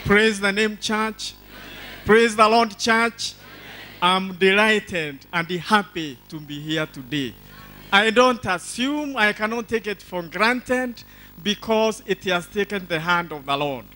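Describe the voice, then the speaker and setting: A man's voice: sits high, expressive, takes it slowly, sharp tone, a little hiss or hum. An older man with a Kenyan accent gives a church testimony in an exuberant, declamatory manner, repeating phrases for emphasis into a handheld microphone. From Embu County, Kenya. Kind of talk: church testimony, preaching to a congregation. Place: large church hall stage.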